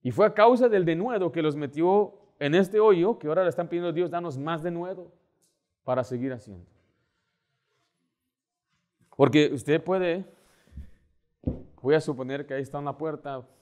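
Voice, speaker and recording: A middle-aged man preaching a sermon as pastor, animated, acting out little scenes as he talks. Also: fairly high pitch, a little fast. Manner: animated, acts out door-knocking scenes.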